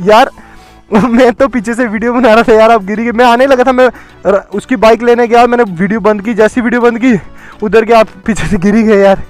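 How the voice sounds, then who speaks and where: A man motovlogging outdoors by a road, talking excitedly to camera and laughing often. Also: very high voice, normal speed, faint music behind. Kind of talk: casual outdoor vlog talk to camera.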